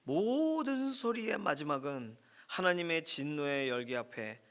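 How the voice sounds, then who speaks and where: A middle-aged man preaching a sermon as pastor, expressive, rising and dropping his voice to near whisper. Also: on the high side, measured pace. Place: church prayer room.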